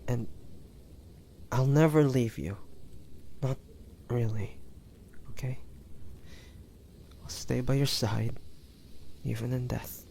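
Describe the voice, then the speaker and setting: A man playing a wounded, devoted young demon hunter in an audio drama, speaking in a halting, breathy, pained way. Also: medium pitch, fairly even intonation, dark tone, a little hiss or hum. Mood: tender, dying. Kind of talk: dramatic audio roleplay acting.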